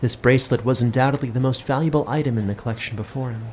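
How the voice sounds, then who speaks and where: A man with a medium-pitched voice narrates a fantasy tale. His delivery is measured, scripted and descriptive. A light bed of ambient noise is audible behind him. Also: a little mellow.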